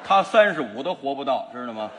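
A man's voice: mid-range voice, expressive, fairly quick, crowd noise. A man in a crosstalk comedy act, protesting and bickering in an indignant way. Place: theater stage before a live audience. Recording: reverberant live theater sound.

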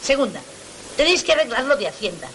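Bossy older countess, high voice, noisy old film track. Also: female voice, very animated, quick pace, fairly bright tone. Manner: bossy, teasing. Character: imperious elderly aristocratic countess. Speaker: film actress.

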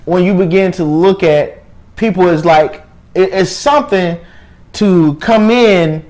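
A man with a high voice co-hosts a relaxed chat. He talks in an animated way, laughs often, and repeats words as he restarts his sentences. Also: a little slow, poor audio. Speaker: co-host. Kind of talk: casual chat.

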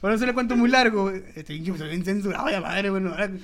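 A Mexican man spins a casual podcast story in a fairly high voice, full of slang and laughter. He rambles and restarts as he goes, keeping things loose and relaxed. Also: rapid-fire, crowd noise. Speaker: podcast host.

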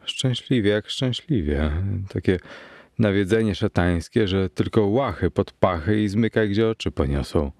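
Brief: man reading as a haunted young student, worn out and rattled, gravelly, low. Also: expressive, measured pace, a little mellow, dry recording, studio quality. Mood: weary, shaken.

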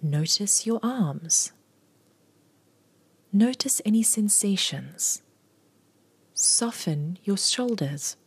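Breathy, near-whispering woman guiding meditation. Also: mid-range voice, expressive. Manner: soothing, unhurried instruction with short phrases. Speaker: meditation guide. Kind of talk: guided body scan meditation, scripted.

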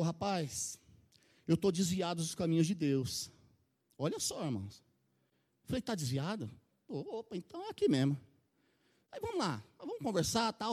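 High-voiced man giving church testimony. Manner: animated storytelling, often addressing the congregation.

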